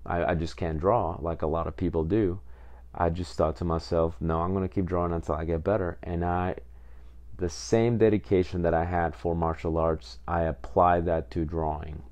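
A man's voice: sits low, level tone, normal speed, darkish tone. A man in his twenties from Peru, hosting a podcast and telling his own story in a casual, rambling way with many fillers. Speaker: podcast host.

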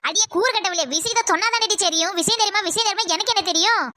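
A performer voicing a harried, sharp-tongued village mother in a one-person comedy skit. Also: very high-pitched, heavy background noise. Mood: snapping. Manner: scolding, rapid-fire rural chatter.

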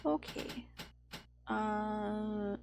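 A woman's voice: mid-range voice, extremely slow, gravelly, darkish tone. A woman giving casual gameplay commentary, muttering offhand remarks to herself as she plays. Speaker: video game player.

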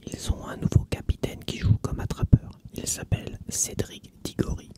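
A driven young male team captain from a storybook, always worried about losing. A reader whispers him softly, with no raised voice. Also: normal speed, close to an everyday voice. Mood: urgent, worried. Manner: whispered throughout.

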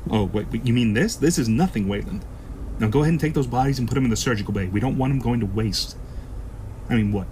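A man's voice: mid-range voice, fast, dark tone, natural voice. Man playing sardonic black-market boss over noisy ambience. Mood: businesslike. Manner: sarcastic, swearing. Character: foul-mouthed, sly black-market shop boss, grimly pragmatic. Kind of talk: science-fiction audio drama acting.

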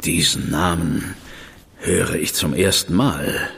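An actor playing a stern, impatient official in a German radio drama, curt and disapproving. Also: male voice, sits low, steady tone, slow pace, vocal fry, fairly bright tone, husky, big-room sound, full character voice.

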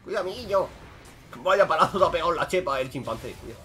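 A young man giving casual, joking commentary over his own gameplay, swinging between loud outbursts and low muttering. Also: expressive, rapid-fire, faint music behind. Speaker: gaming streamer.

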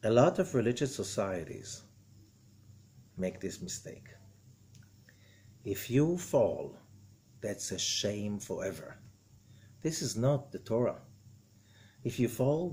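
Husky older rabbi teaching with feeling. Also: male voice, mid-range voice. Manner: expressive, gestures broadly, quotes figures dramatically. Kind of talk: animated spoken lesson. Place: indoor room with wood paneling.

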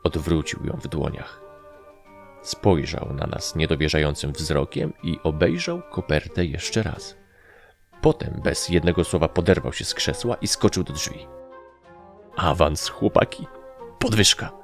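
Male audiobook narrator, low and gravelly, animated delivery. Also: measured pace, soft background music. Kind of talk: scripted narration.

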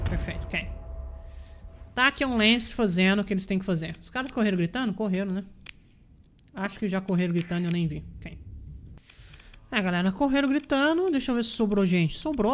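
A woman with a Brazilian Portuguese accent hosting a let's play, commenting chattily with excitable reactions to the game. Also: medium pitch. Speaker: gaming channel host. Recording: voice over loud game music. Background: game music.

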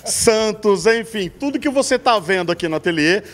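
A man's voice: high voice, animated, moderate pace, fairly bright tone, big-room sound. A man in his forties from hosting an interview for a radio station, effusive and full of praise for his guest. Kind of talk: friendly hosting and questions.

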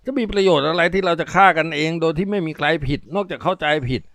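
A man voicing a timid male opium-addict henchman with a high, whining, pleading voice. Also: fast talker, creaky, fairly bright tone, dry recording.

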